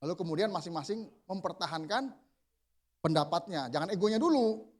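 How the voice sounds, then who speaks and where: A man's voice: sits high, animated, a little fast. A man, a pastor preaching to a men's group in a casual, conversational way, answering his own questions and slipping into everyday slang.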